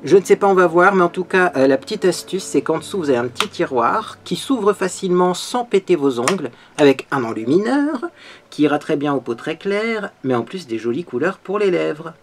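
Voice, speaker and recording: A man's voice: fairly high pitch, very animated, moderate pace, slight background noise. A man hosting a makeup tutorial, talking in a bubbly, chatty way and often tagging his sentences with little fillers. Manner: bubbly, chatty, peppered with "hein". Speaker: beauty vlogger.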